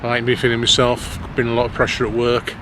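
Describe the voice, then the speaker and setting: Male amateur vlogger, Black Country accent, hesitant and rambling casual delivery, mid-pitched voice over clear car noise. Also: completely flat delivery, quick pace. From West Midlands, England. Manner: hesitant, self-conscious, rambling. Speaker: amateur vlogger, lorry driver. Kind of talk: casual vlog chat to camera. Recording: clear road and vehicle noise.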